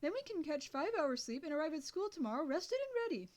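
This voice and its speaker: A woman voicing an earnest teenage boy genius, speaking high and insistent. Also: very animated, fast. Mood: eager.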